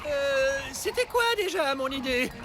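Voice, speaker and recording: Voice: high-pitched, animated, unhurried, very noisy. An actor voicing a fussy, anxious know-it-all little robot with a fretful manner in a French cartoon.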